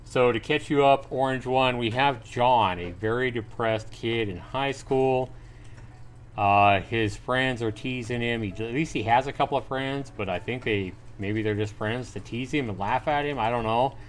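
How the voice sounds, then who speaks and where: A man's voice: mid-range voice, normal speed. A man hosting a casual livestream, reading and recapping a story game, with background noise. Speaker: livestream host.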